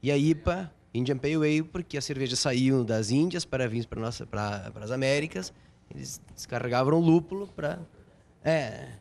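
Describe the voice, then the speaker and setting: A man's voice: medium pitch, moderate pace, vocal fry, a little mellow. A man, chatting casually as a studio guest and joking lightly. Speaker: studio guest, beer enthusiast. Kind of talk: casual chat.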